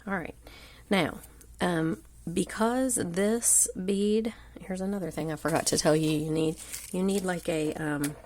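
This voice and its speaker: A woman's voice: on the low side, fairly even intonation, a little slow, a little mellow, a little hiss or hum. A woman with a cold, congested, hosting a casual jewelry-making tutorial, chatty and rambling, often dropping to a murmur as she works. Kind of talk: casual live craft tutorial. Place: indoors at a craft table. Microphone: overhead camera on hands at a table.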